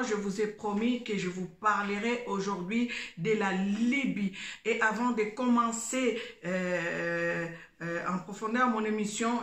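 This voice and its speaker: A woman's voice: mid-range voice, fairly bright tone, roomy sound. A woman from Congo hosting a Christian talk show, speaking earnestly with many fillers and repeated words. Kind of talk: religious talk show monologue and reading.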